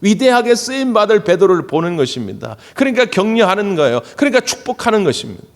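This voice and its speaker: A man preaching from the pulpit in a high, lively voice that swoops up and down as he tells stories. His words ring out with the long reverb of a large church hall, picked up through a pulpit microphone. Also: quick pace. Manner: animated storytelling, acts out quoted voices. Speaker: pastor. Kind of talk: Sunday sermon. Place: church sanctuary.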